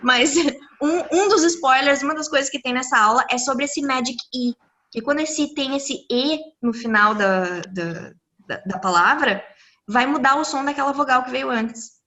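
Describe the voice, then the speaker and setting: A woman, an English teacher explaining pronunciation rules to students in a live online class over a computer mic, lively and encouraging. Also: high-pitched, unhurried. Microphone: computer mic on a video call.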